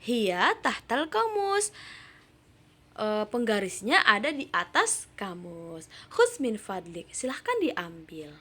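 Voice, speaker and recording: A woman voicing a polite, helpful male shopkeeper, reading his lines slowly and brightly above her own voice. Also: mid-range voice, very animated, exaggerated voice.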